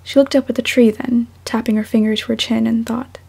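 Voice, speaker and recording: A young woman with a fairly high, husky voice and a slightly mellow tone. She speaks softly and takes her time, like someone reading her own story to listeners. There is some creak at the edges of her words. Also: flat delivery, fairly quick. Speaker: fan fiction author and podfic reader. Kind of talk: audiobook-style story narration, then casual self-conscious chat.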